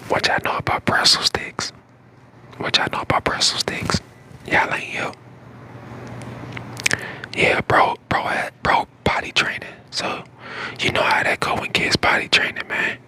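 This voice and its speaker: A man in his twenties from St. Louis, hoarse and getting over a lost voice, chatting casually to his live stream in a whisper that cracks in and out. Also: measured pace, pauses often, sharp tone. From St. Louis, Missouri, USA. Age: 20s. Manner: whispering throughout.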